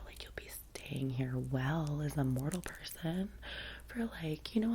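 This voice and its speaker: A woman playing a chatty, vain young assistant to a vampire in a soft-spoken ASMR roleplay, with an American Valley girl accent, breathy and rambling. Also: low-pitched, a little hiss or hum, natural voice. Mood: musing, upbeat. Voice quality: breathy whisper. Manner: casual, rambling, filler-heavy Valley girl talk.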